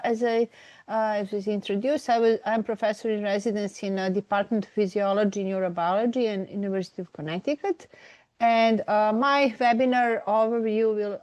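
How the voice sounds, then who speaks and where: A middle-aged Serbian-accented woman professor presents a webinar in a halting way, full of fillers and restarts. Her voice sits in the middle of the range and is recorded close and dry. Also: mid-range voice, a little mellow, dry recording.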